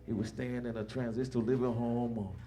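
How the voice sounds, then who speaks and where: A middle-aged man preaching a sermon as a bishop, in a Black church preaching cadence, moving between soft conversational asides and loud rising peaks. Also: mid-range voice, level tone, a little fast, music in the background.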